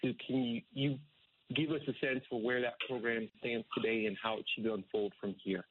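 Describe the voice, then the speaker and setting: A man's voice: mid-range voice, flat delivery, moderate pace, slight background noise. Male analyst over a tinny phone line. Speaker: financial analyst caller. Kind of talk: prepared, formal question on a conference call.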